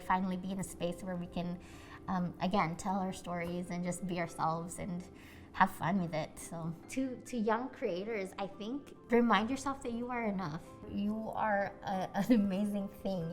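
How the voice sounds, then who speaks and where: A woman, a Bisaya speaker, speaking earnestly and thoughtfully as an actress in a documentary interview. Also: medium pitch. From Philippines. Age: 20s.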